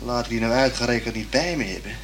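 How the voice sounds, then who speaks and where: A man's voice: medium pitch, quick pace, lightly acted. Easygoing young repairman played by an actor, noisy recording. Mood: absorbed, muttering. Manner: laconic, colloquial, placating, hesitant. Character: easygoing, unhurried working-class repairman, young, mildly put-upon. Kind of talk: Dutch radio play acting. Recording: noisy, clicking radio play recording.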